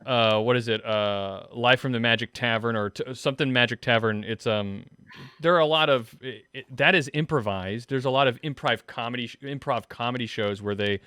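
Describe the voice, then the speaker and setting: A man explaining his view in a casual panel discussion, in a halting way. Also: mid-range voice, sharp tone, clear, resonant tone, no echo, clean studio sound. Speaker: podcast panelist.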